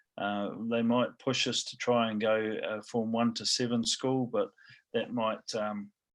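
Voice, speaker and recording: Over a quiet background, a man with a New Zealand accent and a medium pitch speaks at a fairly slow pace in a monotone, flat intonation. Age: 60s. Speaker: school principal. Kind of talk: interview.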